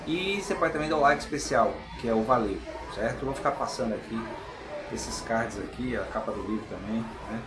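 A man's voice: mid-range voice, animated, brisk, music in the background. A middle-aged Brazilian man giving an informal video lecture, conversational and often checking in with tag questions. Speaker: channel host and philosophy explainer. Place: small tiled room, indoors. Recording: echoey room with clear background noise.

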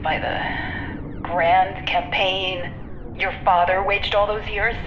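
An actress playing a bitter, defiant admiral's wife in an audio drama, scornful and emotional, as if over a radio link. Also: female voice, medium pitch. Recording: dull, noisy, echoing radio transmission.

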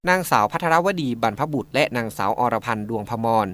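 A man's voice: mid-range voice, expressive, a little fast, a bit bright. A man delivering a scripted news report as a radio reporter.

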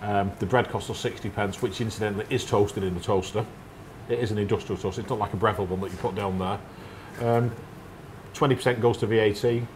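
Brief: firm, no-nonsense owner in his 40s, low voice, lapel mic, faint restaurant hum. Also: fairly even intonation, fast. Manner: blunt, firm, matter-of-fact. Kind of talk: casual interview. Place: restaurant dining room.

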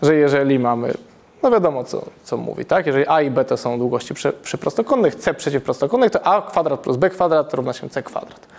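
A man in his thirties giving a public math lecture in a classroom, thinking aloud and often checking the audience with a quick question. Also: medium pitch, expressive, gravelly, a little mellow. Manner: thinking aloud, frequent self-corrections and "tak?" checks. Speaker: university lecturer. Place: classroom with chalkboard, indoors.

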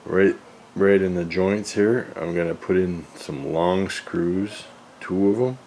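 A man's voice: deep voice, slow, darkish tone. A man giving a casual, folksy how-to narration while working in a garage workshop. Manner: folksy, informal. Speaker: host of a woodworking channel. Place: home garage workshop, indoors. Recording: clear background noise, workshop ambience.

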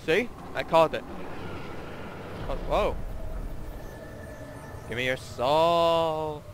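A man's voice: a little high, very slow. A man giving casual, offhand, wisecracking let's play commentary over a video game. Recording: game noise behind. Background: video game sound.

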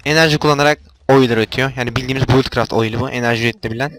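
A man's voice: medium pitch, fairly even intonation, racing, background noise. A young man giving casual gameplay commentary, explaining machines and getting exasperated when they fail. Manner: exasperated, talks to game machines, frequent outbursts. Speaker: gameplay video host.

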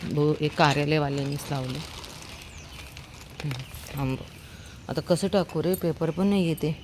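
A woman's voice: deep voice, unhurried, background noise. A woman chatting casually outdoors at night, calling out and coaxing street animals with affection. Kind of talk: casual vlog talk.

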